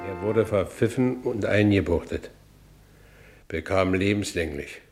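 A man's voice: low-pitched, unhurried, music in the background. An actor playing a haunted working-class Berlin man who recounts his past bitterly in a radio drama, with a Berlin accent. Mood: haunted, brooding. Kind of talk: radio drama first-person narration.

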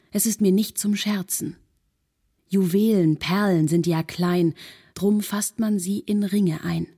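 A woman's voice: on the low side, mellow, husky. An actress playing a devoted nineteenth-century woman poet, reciting verse to her beloved in an intimate, lyrical manner for radio drama.

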